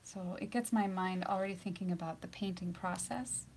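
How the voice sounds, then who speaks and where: A woman's voice: on the low side, normal speed, slight background noise. Chatty woman painting instructor. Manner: chatty, laughs often, drops to soft near-whispers while working. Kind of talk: live painting demonstration. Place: painting studio surrounded by lights and cameras.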